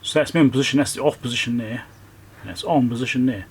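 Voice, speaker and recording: A man's voice: mid-range voice, quick pace, a little mellow. A man giving casual, hands-on repair commentary, thinking aloud and muttering to himself as he works. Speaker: electronics repairer presenting own repair video. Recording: clear background noise behind the voice.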